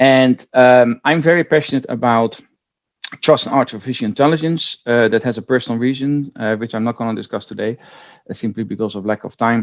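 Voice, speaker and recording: A man with a Dutch accent talks at a fairly quick pace, at medium pitch with ordinary pitch variation. The sound is dry and close with no echo, over a quiet background. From Netherlands. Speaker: AI consultant. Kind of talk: business presentation. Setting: Zoom webinar. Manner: frequent filler hesitations.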